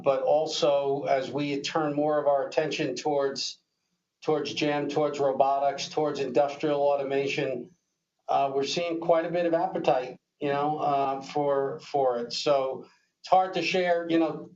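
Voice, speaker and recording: Male exec, pretty flat, halting answers on earnings call, faint noise, muffled. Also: medium pitch. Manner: halting, frequent "you know". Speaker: company executive answering analysts. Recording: dull, noisy conference line.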